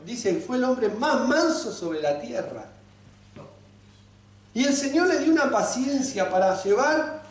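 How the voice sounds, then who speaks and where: A male pastor with a Rioplatense Spanish accent delivers a lively, joke-filled sermon, slipping into little voices for his characters. His voice sits high and swings widely in pitch. He is heard from some distance across a large, strongly echoing hall. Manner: animated, jokey storytelling, acts out voices. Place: large hall at a men's conference. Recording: echoey hall, voice from far off.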